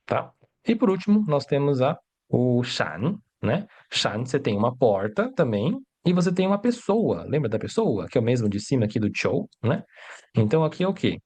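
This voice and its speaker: A man's voice: mid-range voice, sing-song, normal speed, darkish tone, slightly rough. Brief: male teacher streaming live, medium voice, chatty, keeps checking in with viewers. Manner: chatty, asks "né?" and "tá?" constantly; reads out viewer questions and answers them. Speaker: Mandarin teacher. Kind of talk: casual live-stream lesson.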